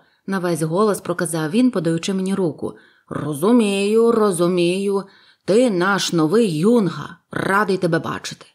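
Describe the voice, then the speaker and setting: A woman reading an adventure novel aloud in an even, measured narration. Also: mid-range voice. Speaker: audiobook narrator. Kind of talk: scripted narration.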